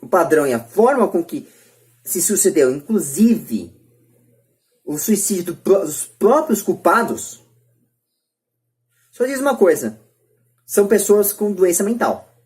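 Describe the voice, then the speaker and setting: A Brazilian woman with a fairly low voice hosts a podcast debate. She speaks emphatically, repeating phrases to press her points, in an openly opinionated style. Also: very animated, a little slow, pauses often, a little mellow. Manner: emphatic, repetitive delivery. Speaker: podcast host.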